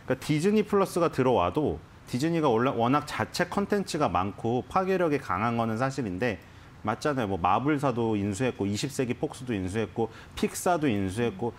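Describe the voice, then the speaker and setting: A man in a television studio walks through market picks in a casual, explanatory way. His voice is mid-pitched but moves around a lot as he talks, and he often restarts his sentences. A faint studio noise sits underneath. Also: a little fast. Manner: explanatory, animated, frequent restarts. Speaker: stock analyst guest. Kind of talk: conversational market commentary.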